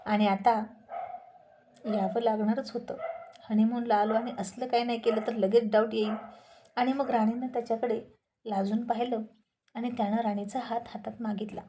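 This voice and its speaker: A woman's voice: on the high side, flat delivery, moderate pace, long pauses, warm tone, a little hiss or hum. Woman narrating a romantic story serial.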